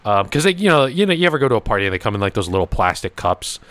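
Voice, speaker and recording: Young male podcast host, animated profane storyteller, dry close sound. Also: on the low side, racing, dry recording. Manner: swearing, laughing, animated anecdotes. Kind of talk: casual storytelling chat.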